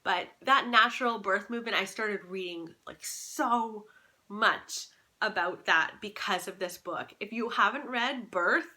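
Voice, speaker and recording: Bright-voiced young woman chatting. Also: medium pitch, unhurried. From Canada. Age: young adult. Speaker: book vlogger. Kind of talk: casual chat to camera, book recommendations.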